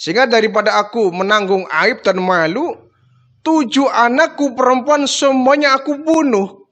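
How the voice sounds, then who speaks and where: A man's voice: extremely high pitch, normal speed, fairly bright tone, muffled recording, pitched above the performer's own voice. A man voicing a remorseful Arab chieftain who pleads urgently as he confesses his sins. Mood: remorseful pleading.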